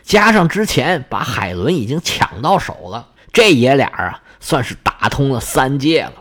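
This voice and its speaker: A man's voice: mid-range voice, big pitch swings, moderate pace, a bit bright. A man telling an ancient myth in a traditional oral storytelling style, colloquial and dramatic.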